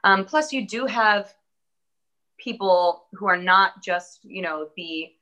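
Bright-voiced upbeat woman in her thirties. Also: medium pitch, slow pace. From born in Atlanta, Georgia, US. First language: Spanish. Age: early 30s. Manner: upbeat, earnest, lots of "um" and "I think". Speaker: actress, guest. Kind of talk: casual interview conversation.

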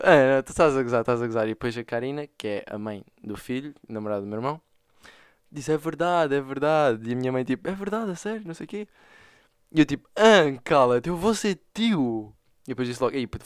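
A young man from Portugal with a European Portuguese accent chats on his own podcast, slangy and joking as he tells stories. He talks quickly in a smooth, clear voice. The recording is dry and close. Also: medium pitch, no echo. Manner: slangy, joking, excitable storytelling. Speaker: podcast host. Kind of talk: casual solo podcast monologue.

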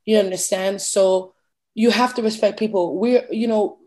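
A woman's voice: mid-range voice, fairly even intonation, normal speed, mellow. An American woman chatting as a podcast guest, full of fillers and "you understand?" tags. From United States. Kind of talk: casual conversation.

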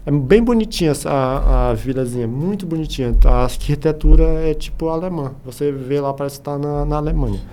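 A Brazilian man chatting casually as a podcast guest, telling anecdotes in an animated way and acting out the dialogue. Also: on the high side, fairly quick, few pauses, slight background noise. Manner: animated retelling with acted-out dialogue.

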